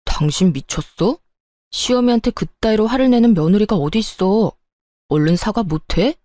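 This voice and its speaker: A woman's voice: mid-range voice, lively intonation, moderate pace, warm tone, no echo, natural voice. A woman voicing an angry, barking husband. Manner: barking, demanding. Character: angry husband siding with his mother.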